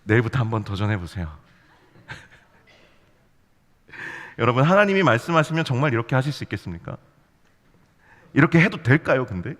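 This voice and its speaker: This youth pastor speaks at a moderate pace with long pauses, in a medium-pitched, a bit bright, very animated voice. His sermon is playful and narrative, dotted with rhetorical questions to the congregation. Long reverb fills the church sanctuary.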